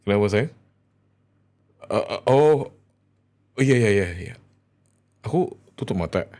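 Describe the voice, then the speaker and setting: A man with a fairly low voice plays a doting husband in an ASMR roleplay. His pitch moves around a lot as he speaks tenderly to his wife. The delivery is expressive and a little hesitant. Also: slow. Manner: affectionate, hesitant, giggly, expressive acting. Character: affectionate, excitable young husband talking to his wife.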